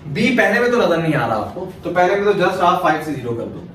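With a high, sing-song voice that's a bit bright and quick-paced, a man from Pakistan teaches maths step by step. He keeps posing questions and answering them on his own, recorded far from the mic in a very echoey room with faint hiss.

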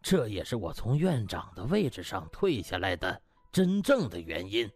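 A man voicing a stern, disappointed old hospital director who scolds with contempt and drawn-out rhetorical questions in an audiobook. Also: on the low side, sing-song, slightly rough, no echo, soft background music, voice pushed down. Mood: scornful, angry. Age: older.

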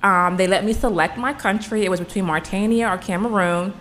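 A woman's voice: medium pitch, brisk, fairly bright tone, a little hiss or hum. A woman in her forties from Virginia, a guest telling her story in a casual interview with candid, self-deprecating humor. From Hampton, Virginia. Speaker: guest, homesteader.

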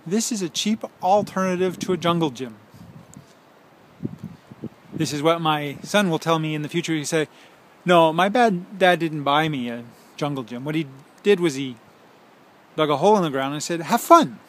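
A man in his forties talking casually and haltingly to a handheld phone, musing as he drifts between thoughts. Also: on the high side. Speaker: video blogger. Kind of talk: casual rambling monologue to camera. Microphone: handheld smartphone at arm's length.

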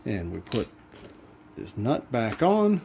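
A man talks through a hands-on fix at a workbench, relaxed and methodical, his pitch rising and falling with lively swings. His voice sits in a middle register. A faint hiss of background noise runs under him. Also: slow pace, vocal fry. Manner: relaxed step-by-step explaining while working hands-on. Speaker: DIY channel host. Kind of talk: casual how-to demonstration.

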